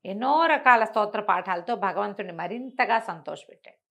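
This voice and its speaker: Expressive woman telling devotional tales. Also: medium pitch, normal speed, gravelly. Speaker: storyteller and talk show guest. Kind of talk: conversational devotional storytelling.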